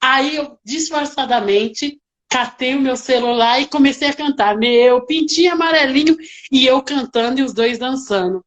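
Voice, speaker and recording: A woman working as a nanny, telling stories in a casual interview with lively, emotional reenactments. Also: sits high, moderate pace.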